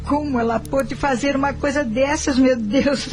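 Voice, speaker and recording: A woman's voice: high-pitched, steady tone, normal speed, a little mellow, faint music behind, natural voice. An actress playing an anxious, indignant mother in a radio soap opera, speaking in an emotional, pleading way. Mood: anguished.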